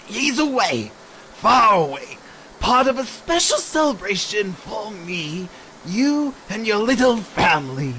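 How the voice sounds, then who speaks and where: Killer clown villain: very high, slow, mocking and menacing, radio drama, noisy background. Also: male voice, big pitch swings, heavily acted. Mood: sly gloating. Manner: taunting, sing-song, swinging from hush to shriek. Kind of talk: superhero radio drama acting.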